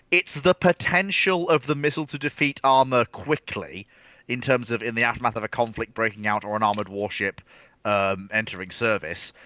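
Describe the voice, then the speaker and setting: A man's voice: mid-range voice, sharp tone, no room sound. A man on a discussion panel, explaining off the cuff in a methodical, emphatic way and restating his points. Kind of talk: unscripted expert discussion.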